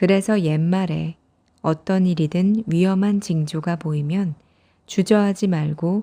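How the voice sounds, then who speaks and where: The voice is quiet, with a soothing, dark, mellow tone. It moves at a very slow pace. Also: woman. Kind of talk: audiobook reading. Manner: quiet, soothing.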